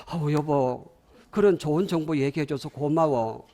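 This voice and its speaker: A man's voice: fairly high pitch, normal speed, dark tone, a little hiss or hum, natural voice. A man voicing a wife who gushes agreeably with thanks. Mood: gushing. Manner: gushing, agreeable. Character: grateful, sweet-talking wife.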